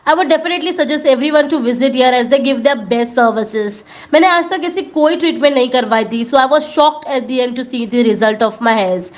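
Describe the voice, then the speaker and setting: A woman's voice: sits high, muffled recording. An Indian woman vlogger narrating a scripted voice-over, switching between Hindi and English phrases. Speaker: vlogger reviewing a salon.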